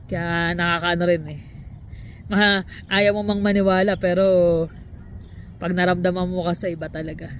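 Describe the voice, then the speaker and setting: A woman's voice: lowish voice, normal speed, pauses often, a little hiss or hum. A Filipino woman vlogger, a cook, telling a story in a casual chat outdoors and acting out her coworkers' lines. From Philippines. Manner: animated, acts out coworkers' quoted lines. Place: outdoors at sunset.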